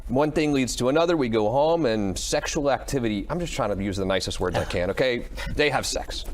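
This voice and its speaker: A male host of a live call-in talk show speaks in a conversational way at a middle pitch. He reads out the call-in number, asks his guest questions, and acts out hypothetical situations in the first person. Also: lively intonation, a little fast, slight background noise. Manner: conversational, poses hypotheticals and short reactions.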